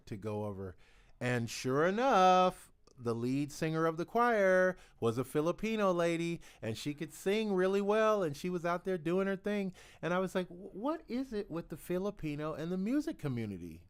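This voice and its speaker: Joking host, lively intonation. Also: male voice, on the high side, normal speed, smooth. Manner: jokey, rambling, wide-swinging intonation. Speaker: podcast host. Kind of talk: casual interview chat. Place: podcast studio.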